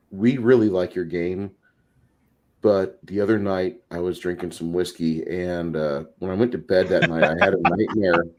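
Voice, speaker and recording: A panelist on a role-playing show chats casually about tabletop games, speaking bluntly and profanely with vivid descriptions. His voice sits on the low side with a darkish tone.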